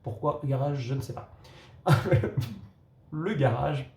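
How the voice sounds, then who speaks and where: A man giving a casual spoken film review for his channel, halting with many restarts and little chuckles. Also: medium pitch, gravelly, dark tone. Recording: echoey room.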